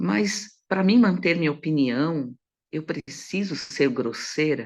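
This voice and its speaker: Lively intonation at a very slow pace. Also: woman. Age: 60s. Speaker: religious teacher. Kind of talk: lecture; testimony.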